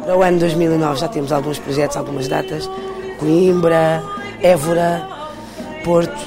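Deep gravelly-voiced Portuguese woman. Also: steady tone, moderate pace. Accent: European Portuguese. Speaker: singer interviewee. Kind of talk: casual interview storytelling. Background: music.

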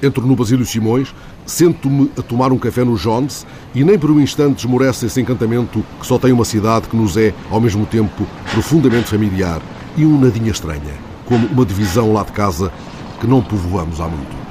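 A man giving scripted, literary narration for a documentary, measured and reading out book passages. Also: lowish voice, warm tone, slight background noise. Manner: measured, reads quotes from a book.

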